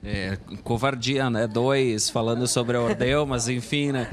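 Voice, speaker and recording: A man's voice: mid-range voice, steady tone, measured pace. A man, joking in a self-deprecating way as a studio guest. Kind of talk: casual chat.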